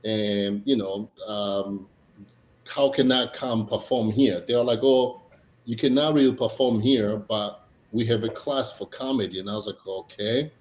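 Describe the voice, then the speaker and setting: A man from Tanzania, a comedian chatting casually as a guest, halting, with many fillers and restarts. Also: fairly low pitch, a little mellow. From Tanzania, East Africa. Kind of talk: casual interview chat. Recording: echoey room, faint noise.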